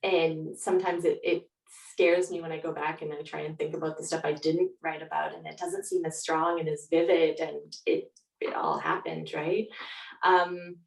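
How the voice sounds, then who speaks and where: Low-voiced woman, echoey and distant. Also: normal speed, creaky. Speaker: guest author. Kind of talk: reflective interview answers and reading aloud. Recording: roomy echo, distant mic.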